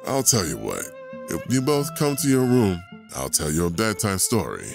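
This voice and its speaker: Man voicing deep, gentle werewolf doctor. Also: huge pitch swings, moderate pace, vocal fry, over music, full character voice. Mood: fatherly. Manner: tender, polite, soft-spoken storyteller. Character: gentle, courteous adult male werewolf doctor and father. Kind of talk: audio drama acting.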